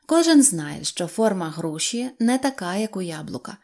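A woman narrating a children's audiobook in an expressive storytelling manner. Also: mid-range voice, moderate pace.

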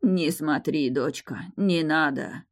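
A woman's voice: low voice, takes it slowly, full character voice. A woman voicing a middle-aged male black mage, a protective father who blusters at rivals.

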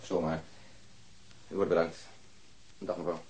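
An actor playing a calm, courteous, probing police detective in a naturalistic radio drama. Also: male voice, sits low, husky. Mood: polite, probing. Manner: measured, polite, matter-of-fact.

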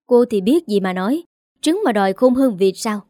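A woman's voice: medium pitch, lively intonation, normal speed, dark tone, no echo, clean studio sound, lightly acted. A woman voicing a harsh, scolding old mother-in-law with a cutting, contemptuous manner.

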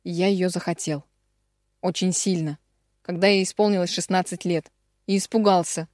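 A woman's voice: fairly low pitch, fairly even intonation, moderate pace, a little mellow, no echo, clean studio sound, close to an everyday voice. A woman reading an audiobook, voicing a weary man who confesses in a heavy, subdued way. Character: man in his thirties, weary, confessing, resolute.

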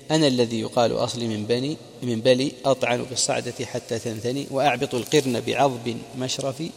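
Male religious lecturer, brisk delivery, recites verse slowly, hall reverb. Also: mid-range voice. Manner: recites quoted verse slowly, explains words in dialect. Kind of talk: classroom lecture on prophetic biography.

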